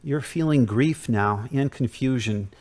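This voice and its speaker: A man acting a calm, measured counseling Catholic priest in an audio drama. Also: mid-range voice, lightly acted. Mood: calm, advisory.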